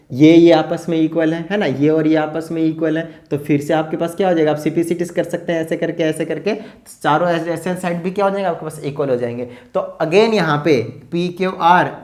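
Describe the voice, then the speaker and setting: A man's voice: a little high, darkish tone. A man teaching a maths lesson at speed, often asking the students whether they follow. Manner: fast-talking, asks rhetorical check questions.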